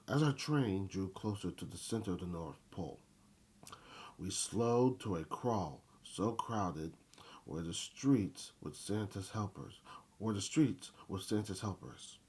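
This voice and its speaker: A man reading a children's Christmas story aloud in a halting way, stumbling and repeating phrases, with a husky voice. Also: on the low side, lively intonation, a little mellow.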